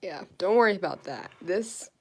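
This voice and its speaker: A woman's voice: fairly low pitch, animated, moderate pace, a little mellow, husky. A nineteen-year-old woman vlogging at her desk, rambling casually with little laughs and fillers while she crafts. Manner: chatty, giggly, rambling with many fillers. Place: indoors at a desk.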